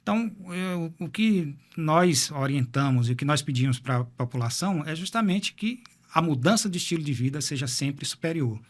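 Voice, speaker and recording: A man, speaking as a cardiologist in a podcast interview. His voice sits somewhat high for a man. He explains step by step and often repeats a word as he finds the next one. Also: animated, moderate pace, hardly any pauses. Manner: explanatory, repeats words while thinking. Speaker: cardiologist guest. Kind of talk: medical interview.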